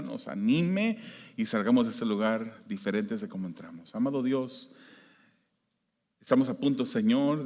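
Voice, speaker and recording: A man from the United States preaching a sermon as pastor, shifting between loud emphasis and quiet, hushed prayer. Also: medium pitch. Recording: long hall reverb.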